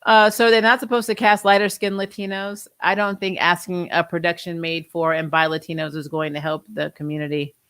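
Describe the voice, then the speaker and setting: Woman, 40s, casual chatty host. Rambling and animated, laughs often, dry close-mic sound. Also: lowish voice, a little fast, hardly any pauses, smooth, no echo. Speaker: host reading viewer comments. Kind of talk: casual livestream chat.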